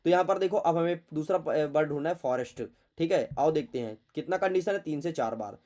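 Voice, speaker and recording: A young man with a fairly high voice teaches an exam prep lesson, speaking straight to his students in a chatty, playful way. While he hunts through a passage he drops into muttering to himself. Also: a little fast, darkish tone.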